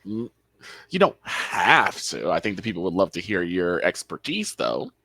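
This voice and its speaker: A man's voice: deep voice, very animated, moderate pace, creaky, sharp tone, no room sound, studio quality. A young man co-hosting a sports show, chatting casually and explaining calls on the field. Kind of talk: casual color commentary.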